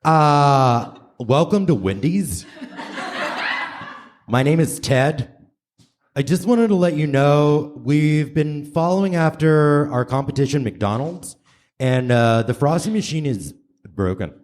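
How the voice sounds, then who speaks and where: A man playing a rude, deadpan fast-food worker in a comic radio play on stage. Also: a little high. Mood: apologetic, flat. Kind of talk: comic radio play before a live audience. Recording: noisy live theater stage recording.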